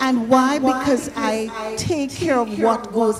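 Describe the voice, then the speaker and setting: A woman at a fairly slow pace amid noticeable background noise and audible room echo. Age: 70s. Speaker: event host. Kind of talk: hosting remarks at youth symposium.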